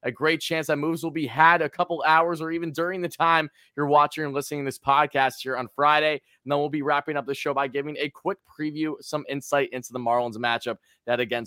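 A man with a raspy, hoarse voice co-hosting a sports podcast, chatting casually in an excitable, hyperbolic way. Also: a little high, fast, hardly any pauses, no echo, studio quality. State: hoarse from screaming.

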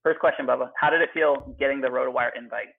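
Young man, fast and chatty, self-deprecating, husky voice, tinny phone-line sound. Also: medium pitch, steady tone. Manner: fast, filler-heavy and self-deprecating, full of "like". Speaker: guest turned interviewer. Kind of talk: casual podcast chat. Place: home garage.

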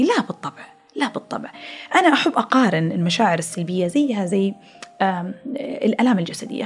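Woman podcasting, talks quick, kinda husky, lots of restarts and everyday examples. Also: medium pitch, darkish tone. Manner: chatty, explains by everyday comparisons, frequent restarts. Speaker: podcast host. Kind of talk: casual explanatory talk.

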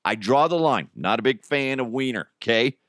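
A man's voice: mid-range voice, lively intonation, moderate pace, fairly bright tone, no room sound, studio quality. A middle-aged man hosting a podcast as a casual, jokey solo monologue with crude humor. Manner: jokey, crude, acts out imagined exchanges. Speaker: podcast host.

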